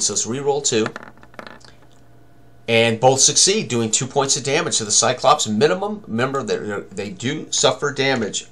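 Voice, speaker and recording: An older man with a mid-pitched voice acts as game master in a solo tabletop walkthrough. He thinks aloud, calling out rolls and tallies in short phrases, recorded indoors at a computer. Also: a bit bright, a little hiss or hum. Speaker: game master, tutorial presenter. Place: small room indoors, at a computer.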